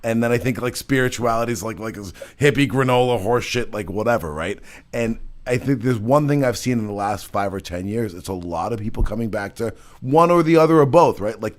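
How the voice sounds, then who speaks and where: An American man in his thirties hosting a podcast interview, talking loosely and casually and now and then swearing. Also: lowish voice. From United States. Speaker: podcast host.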